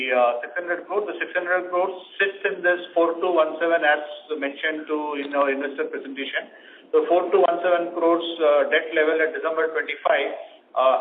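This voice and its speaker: A man with an Indian accent speaking as a company executive, explaining finances unscripted with halting, hesitant phrasing. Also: on the high side. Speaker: company executive on an earnings call. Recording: muffled phone conference line, faint noise.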